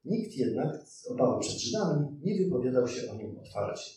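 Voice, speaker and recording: A man's voice: mid-range voice, big pitch swings, normal speed, dark tone. Man reading scripture in a very echoey space. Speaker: scripture reader. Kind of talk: scripture reading with brief commentary. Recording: very echoey, distant mic.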